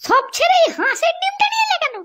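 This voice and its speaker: A performer voicing a sharp-tongued young wife in a comedy cartoon, crude and taunting, with a West Bengal accent and a pitched-up voice. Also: sing-song, fast, full character voice. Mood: scornful nagging. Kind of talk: amateur comedy cartoon dialogue.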